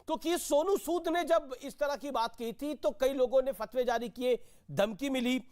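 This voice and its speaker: A man hosting a heated TV news debate, cutting in insistently and repeating himself to moderate. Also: very high-pitched. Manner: interjecting, repetitive, insistent. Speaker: TV debate host.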